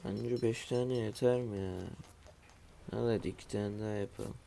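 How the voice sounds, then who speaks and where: A groggy man who has just woken up, talking through a game in a low, gravelly voice. His tone is dark and mellow, and he mutters to himself as he builds, dropping the odd aside to viewers from his room at home. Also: steady tone, unhurried, a little hiss or hum. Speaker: gamer streaming his play. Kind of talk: casual let's-play commentary.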